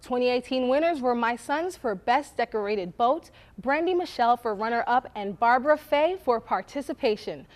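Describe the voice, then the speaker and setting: A woman reading scripted local news as an anchor at a studio desk. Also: on the high side.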